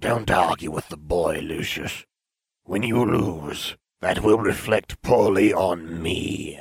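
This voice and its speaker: Using a raspy, put-on character voice with a very deep, low pitch, a man speaks at a fairly slow pace, the sound dry and close with no echo. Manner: cold, sardonic, menacing.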